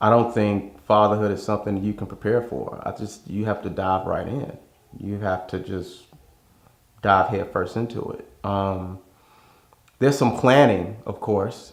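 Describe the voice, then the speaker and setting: This man's voice sits fairly low, with fairly even intonation and a fairly slow speed. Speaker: father. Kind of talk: interview answer. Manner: expressive.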